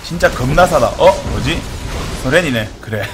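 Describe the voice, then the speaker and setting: A man giving casual, jokey commentary on a game replay, mock-dramatic, swinging between excited shouts and low mutters. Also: normal speed, music in the background.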